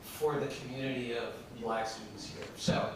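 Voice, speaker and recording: A middle-aged or older man posing a long, discursive academic question from the audience in a deliberate way. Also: medium pitch, fairly even intonation. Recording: very echoey room, distant mic, noisy.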